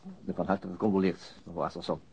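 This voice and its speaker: Deep, quick police inspector. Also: male voice, a little mellow, breathy edge, exaggerated voice. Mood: formal. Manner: formal, clipped, reserved. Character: courteous, brisk male police chief inspector. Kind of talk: radio drama acting.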